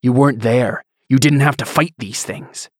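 Guy putting on a big stern war god, gruff and growly, fantasy audiobook, dry sound. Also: mid-range voice, moderate pace, no echo, lightly acted. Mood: angry. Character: large, stern, brooding male war god. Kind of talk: audiobook character acting.

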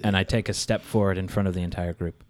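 A man's voice: low-pitched, fairly even intonation, fast talker, a little mellow. A man playing a tabletop role-playing game, speaking conversationally in character and describing his actions.

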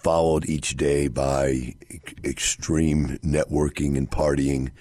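A hoarse, middle-aged man hosts a radio show, his voice extremely low and husky from overuse. He talks casually and rambles, leaning on fillers and restarts. The studio sound is dry and close. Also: little pitch movement, slow pace, mellow, no echo. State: hoarse, scratchy voice. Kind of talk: casual radio talk on investing.

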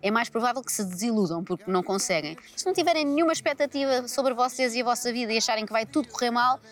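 A woman's voice: fairly high pitch, expressive. A woman with a European Portuguese accent, a comedian chatting in an interview with a skeptical, ironic manner. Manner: ironic, skeptical, quick-talking. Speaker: comedian guest. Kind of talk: casual interview talk. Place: large empty arena.

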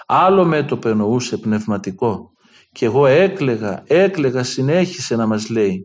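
A man preaching, telling stories of an elder in an earnest way and acting out the dialogue. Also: medium pitch. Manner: earnest, lively quoting of dialogue. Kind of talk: sermon storytelling.

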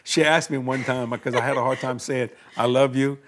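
A man's voice: mid-range voice, steady tone, moderate pace, over a noisy crowd. An older man, hosting a Christian TV talk show in a folksy, colloquial way and leading a prayer. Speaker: televangelist host.

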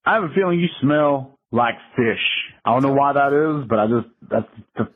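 A man's voice: medium pitch, lively intonation, normal speed, close to an everyday voice. A man putting on a rude, mocking male prank caller who leaves an insulting voicemail. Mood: taunting. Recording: tinny phone-line voicemail.

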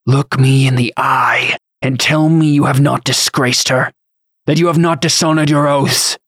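A man's voice: mid-range voice, fairly even intonation, measured pace, a bit bright, breathy edge, dry recording, clean studio sound. A man voicing a righteous, vengeful holy knight in an audiobook, intense and threatening. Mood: deadly menace. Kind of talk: audiobook character acting.

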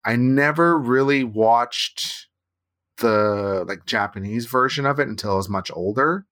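A man's voice: medium pitch, a little slow, fairly bright tone. A man in his thirties from Canada, co-hosting a casual chat with rambling, restarting sentences and tag questions. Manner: rambling, with frequent restarts and "right?" tags.

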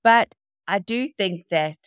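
A woman's voice: mid-range voice, slow, clear, resonant tone, dry recording, clean studio sound. A middle-aged woman with a South African accent, a native Afrikaans speaker, chatting reflectively as an interview guest. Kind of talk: casual interview conversation.

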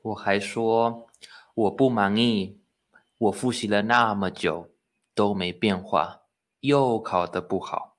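A man's voice: lowish voice, slow pace. A man who is a student, practicing Chinese in a lesson, hesitating and thinking aloud.

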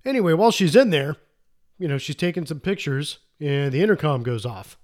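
A man's voice: on the high side, animated, fairly quick, darkish tone. Rambling enthusiastic man recapping a film. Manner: rambling, self-interrupting, enthusiastic. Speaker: podcast co-host. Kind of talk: casual movie recap chat.

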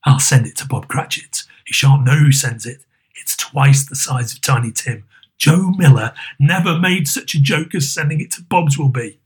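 A man's voice: medium pitch, normal speed, slightly rough. A man voicing an elderly miser turned kind, with emphatic, clipped delivery in a dramatised storybook reading. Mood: gleeful.

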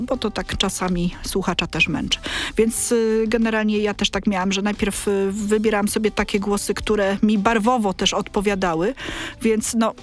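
A middle-aged woman, a librarian from a talking-book department, chatting casually on a podcast, taking her time and pausing often to find her words. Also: medium pitch. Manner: unhurried, searching for words with fillers and repeats.

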